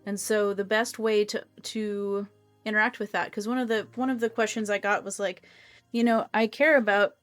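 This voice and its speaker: A woman with a medium-pitched voice explains things casually and thoughtfully, dropping in conversational asides. Faint music plays behind her as she talks. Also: steady tone, moderate pace. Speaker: co-host explaining to an audience.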